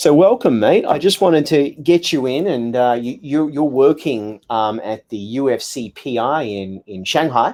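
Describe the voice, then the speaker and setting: With an Australian accent, a man speaks at a moderate pace and medium pitch, with hardly any pauses. His intonation is lively. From Australia, western suburbs of Melbourne. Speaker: podcast host. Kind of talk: podcast interview. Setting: in-person studio. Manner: casual, hesitant.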